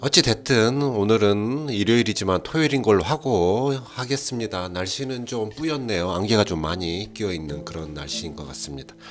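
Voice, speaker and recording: Noticeable background noise sits behind a man with a fairly low pitch. He talks with hardly any pauses and very wide pitch swings. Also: moderate pace. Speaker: stock market commentator. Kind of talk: market commentary. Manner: casual, hesitant fillers.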